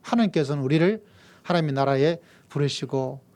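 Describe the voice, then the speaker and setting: A man from the region, preaching a sermon and telling a playful story with emphatic, drawn-out key words. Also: a little high, a little mellow. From Gyeongsang region, Korea. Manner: playful storytelling with jokes and acted-out voices. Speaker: pastor.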